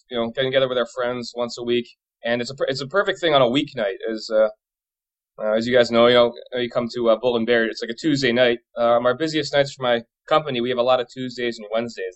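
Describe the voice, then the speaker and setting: Man, 30s, from Boston, casual interview guest, very quick informal talker. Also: medium pitch, low-quality recording. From Boston area, United States. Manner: chatty, informal. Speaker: interview guest, pub trivia company owner.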